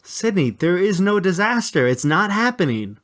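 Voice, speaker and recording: Man, comedy skit banter, patient but exasperated, animated pitch. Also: moderate pace.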